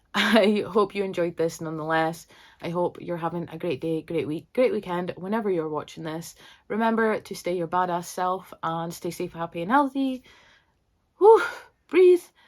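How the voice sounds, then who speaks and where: Fairly low female voice with a Scottish accent, moderate pace and ordinary pitch variation, on a very clean recording with a silent background. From Scotland. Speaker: book youtuber. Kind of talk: casual vlog talk to camera. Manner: animated.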